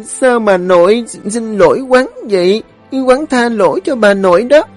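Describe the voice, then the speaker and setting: A man's voice: high voice, lively intonation, unhurried, faint music behind, pitched above the performer's own voice. A man voicing a cheerful, chatty five-year-old boy, eager and sweet-talking.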